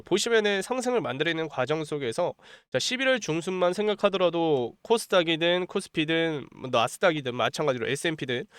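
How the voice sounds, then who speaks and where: A man's voice: fairly high pitch, a bit bright, clean tone, dry recording, studio quality. A male stock market commentator with a cold, his voice a bit strained, pushing urgent buy-and-sell calls in a repetitive promotional monologue. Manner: pushy, repeats "자" as a filler, urgent promotional tone. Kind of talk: stock analysis monologue with sales pitch.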